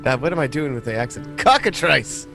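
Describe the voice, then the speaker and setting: A man running a tabletop game as game master, narrating casually with halting, joking delivery. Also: medium pitch, faint music behind.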